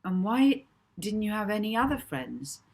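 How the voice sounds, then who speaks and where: A woman's voice: mid-range voice, sing-song, measured pace, darkish tone, pitched above the performer's own voice. A woman doing an earnest, kind-hearted boy. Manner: eager, sometimes whispering. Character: kind, curious boy, sympathetic.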